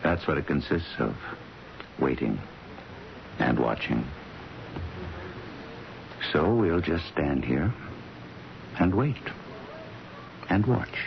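An actor in a radio drama playing a grave doctor, measured and sombre as he explains. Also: extremely low pitch, lively intonation, gravelly, exaggerated voice. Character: grave, measured male doctor keeping bedside vigil. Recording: dull, slightly noisy radio broadcast.

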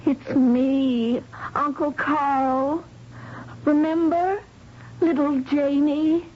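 A woman's voice: high-pitched, steady tone, drawn-out words. An actress playing an earnest, tender, devoted young woman in a 1970s radio drama. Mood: tender, anxious. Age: young adult. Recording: muffled, noisy old radio recording.

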